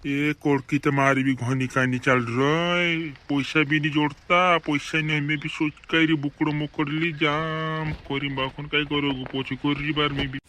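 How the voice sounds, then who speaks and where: A neighbourly old villager in a cartoon comedy, voiced by an actor, with a bright, forceful tone. The accent is rural Madhya Pradesh tribal. There is some noise behind. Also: medium pitch, little pitch movement, normal speed, natural voice. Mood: neighbourly, grumbling. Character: older village man, neighbourly, grumbling about money.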